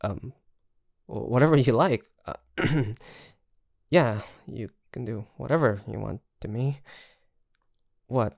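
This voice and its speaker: A performer plays an ambitious pirate captain in an intimate audio roleplay. The voice is slow and creaky, recorded close and dry. The delivery is teasing and flirtatious, with halting, easily flustered phrasing. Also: mid-range voice, no echo. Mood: flustered, coy. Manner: halting, breathy sighs and soft laughs, teasing. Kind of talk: intimate ASMR roleplay acting.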